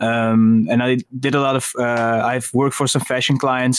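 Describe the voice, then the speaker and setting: A man's medium-pitched, flat monotone with a Dutch accent at a fairly quick pace. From Netherlands, near Eindhoven. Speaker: graphic designer. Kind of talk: casual chat.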